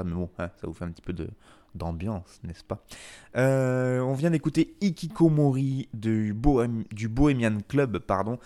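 A man with a fairly low voice hosts a music show from his home living room. He talks casually and loosely, pausing often with fillers, and drops wry, self-mocking asides along the way. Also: mellow. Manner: chatty, hesitant with frequent fillers and wry asides. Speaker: radio show host.

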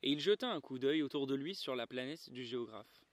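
A man calmly reading a children's novel aloud in a garden, in a measured storytelling manner. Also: medium pitch, dry recording. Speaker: reader. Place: garden, outdoors.

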